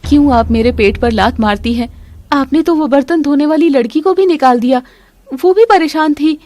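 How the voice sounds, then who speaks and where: A woman voicing a poor housemaid in an animated story, talking in a humble, pleading way. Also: high-pitched, normal speed, close to an everyday voice.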